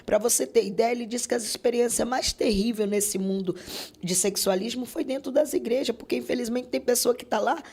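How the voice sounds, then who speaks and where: A middle-aged Brazilian woman with a Brazilian Portuguese accent shares a religious faith testimony as a podcast guest. Her voice is fairly high, a little fast, husky and slightly mellow, and she tells her story earnestly and repetitively, often voicing what other people said.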